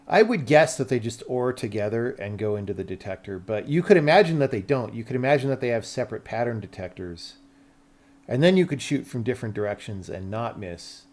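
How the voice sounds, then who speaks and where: A man's voice: mid-range voice, darkish tone. Casual, rambling American man thinking aloud. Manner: informal, rambling, thinking aloud, mildly profane. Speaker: live streamer. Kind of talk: casual livestream chat, explaining tech.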